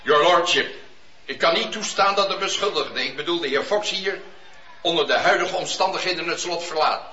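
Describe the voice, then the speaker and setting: An actor playing a dutiful, respectful sheriff in a radio play. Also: male voice, on the high side, moderate pace, sharp tone, echoey room, dull audio.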